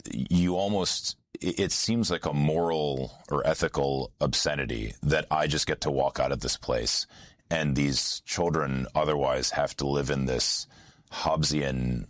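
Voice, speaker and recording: Middle-aged male surgeon guest, very low voice, dry close studio sound, earnest and measured. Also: dry recording. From United States. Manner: earnest, measured, with frequent fillers. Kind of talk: studio interview answers.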